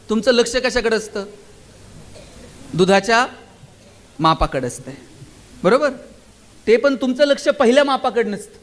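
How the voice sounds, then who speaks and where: High-pitched passionate male speaker. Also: a bit bright, a little hiss or hum. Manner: passionate, rhetorical questions. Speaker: motivational speaker. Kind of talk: stage speech to students and teachers. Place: school gathering.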